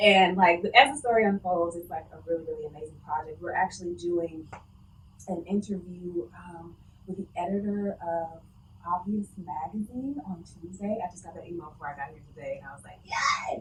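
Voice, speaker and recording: A woman speaks at a moderate pace in a medium pitch, somewhat breathy, with ordinary pitch variation and big swings in loudness. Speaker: actress. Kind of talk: interview. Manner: hesitant, with fillers.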